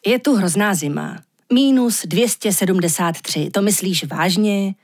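A woman's voice: medium pitch, darkish tone, no room sound, clean studio sound, lightly acted. A grouchy, plain-spoken man, voiced by a woman reading the tale, who complains bluntly and without patience. He is a storybook figure in a fairy tale audiobook.

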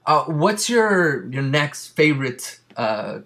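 A man's voice: fairly high pitch, sing-song, slow, creaky, fairly bright tone. Chatty man hosting an interview. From Mexican family. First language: Spanish. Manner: chatty, many fillers and restarts. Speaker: podcast host. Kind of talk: casual interview.

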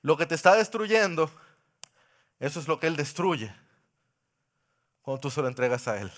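Impassioned high-voiced male pastor. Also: sing-song, moderate pace. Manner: impassioned, swings from loud cries to hushed pleading. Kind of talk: sermon. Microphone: microphone.

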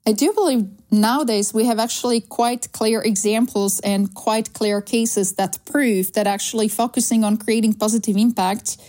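A woman in her thirties from Slovakia with a Slovak accent, answering interview questions in an earnest, measured way with frequent fillers. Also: a little high, steady tone, a little mellow. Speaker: guest, sustainability consultancy founder.

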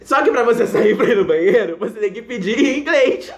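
A young Brazilian man with a Brazilian Portuguese accent, telling a funny story in casual chat, animated and laughing often, with restarts. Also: extremely high pitch, a little fast, a crowd in the background. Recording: echoey room.

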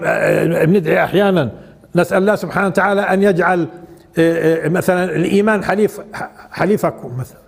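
Older male Quran teacher, high pitch, conversational lecturing. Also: vocal fry, darkish tone, breathy edge. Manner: conversational, asks the audience questions. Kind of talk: informal religious lesson.

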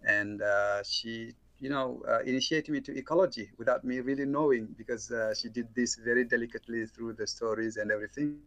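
A middle-aged man from Senegal, a professor and former mayor, answering interview questions over a call, slow and hesitant, with many fillers. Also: medium pitch, creaky, fairly bright tone, low-quality recording.

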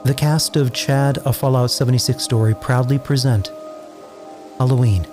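A man's voice: medium pitch, fairly even intonation, normal speed, over music. An American man in his forties from New England, narrating a scripted introduction as showrunner in a theatrical, lyrical storytelling manner. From New England, United States.

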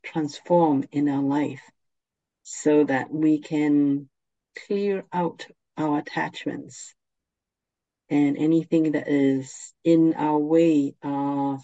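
A meditation guide with a soft, mellow voice and a very slow, gentle delivery, leaving long pauses. The sound is dry and slightly dull, as if recorded close in. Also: medium pitch, fairly even intonation, dry recording.

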